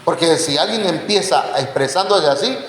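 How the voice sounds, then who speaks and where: A man's voice: a little high, animated, moderate pace, a bit bright. A man preaching a Bible teaching sermon, quizzing his congregation with questions and calling them brothers. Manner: addresses listeners as brothers. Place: church hall. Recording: echoey church hall, faint background noise.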